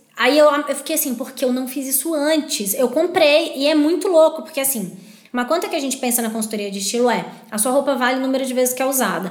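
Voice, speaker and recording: The speech runs at a very fast pace with ordinary pitch variation. Noticeable background noise is present. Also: woman, high pitch for a woman. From interior of Minas Gerais, Brazil. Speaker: podcast co-host, style consultant. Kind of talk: casual chat.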